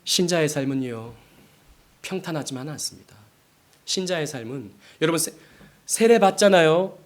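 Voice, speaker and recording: A man's voice: fairly high pitch, lively intonation, moderate pace. A male pastor preaching a sermon, acting out the lines of quoted voices as he goes. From South Korea.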